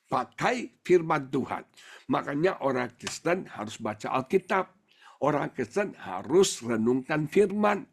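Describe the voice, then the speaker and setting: A middle-aged male pastor preaching a sermon in an animated, colloquial way, slipping English words into his speech. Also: medium pitch, breathy edge.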